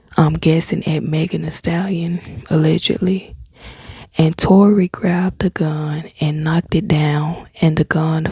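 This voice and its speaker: Soft-spoken and very slow, a woman talks with a very deep, low pitch and fairly even intonation. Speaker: ASMR gossip host. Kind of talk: ASMR gossip show, soft spoken celebrity talk. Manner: soft-spoken, casual, chatty.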